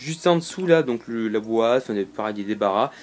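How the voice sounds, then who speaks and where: Intonation is lively while the speech keeps a moderate pace. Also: man. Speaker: tech YouTuber. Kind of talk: casual room tour vlog. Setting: home bedroom, camera on tripod. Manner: halting, many fillers; relaxed, casual.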